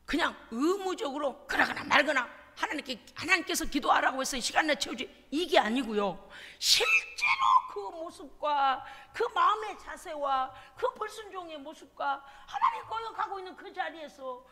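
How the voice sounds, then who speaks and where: A middle-aged woman pastor preaching a dramatic sermon in a church, acting out her own prayers with sobs and shouts. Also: extremely high pitch. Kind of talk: animated sermon. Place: church sanctuary. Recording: long hall reverb.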